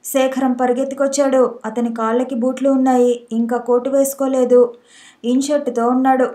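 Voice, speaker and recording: A woman's voice: high voice, little pitch movement, normal speed, dark tone. A woman narrating a novel as an audiobook, reading steadily and evenly.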